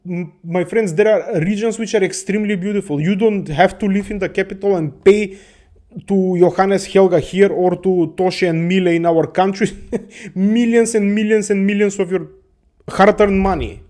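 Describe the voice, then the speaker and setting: A man's voice: high-pitched, steady tone, moderate pace, a little mellow. A man from the Balkans, hosting a casual monologue to his viewers. He rambles, swears and laughs often, and keeps addressing listeners as his friends. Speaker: host.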